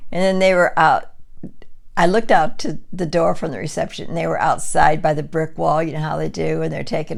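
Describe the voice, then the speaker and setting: A woman talking at a fairly quick pace, with audible room echo. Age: 80s+. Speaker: vlogger. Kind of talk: casual chat. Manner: halting.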